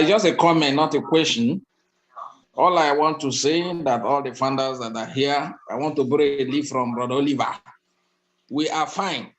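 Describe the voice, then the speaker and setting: A man giving an enthusiastic comment on an online call from a dark room with his camera off, repeating himself for emphasis. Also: mid-range voice, low-quality recording. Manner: enthusiastic, repetitive, with fillers. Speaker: webinar participant. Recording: call audio with faint background noise.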